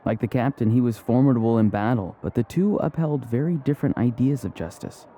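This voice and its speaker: An actor playing a grave, thoughtful young tribal warrior in a video game, speaking in a measured, serious way. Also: male voice, medium pitch, lo-fi sound, a little hiss or hum, close to an everyday voice. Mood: serious, puzzled. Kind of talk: English video game character acting.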